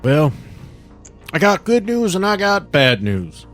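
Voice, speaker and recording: A man's voice: sits high, sing-song, slow pace, fairly bright tone, voice pushed up, full character voice. Man playing a folksy old country priest, music behind. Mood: folksy, calm. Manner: folksy, courteous, chuckling rural talk.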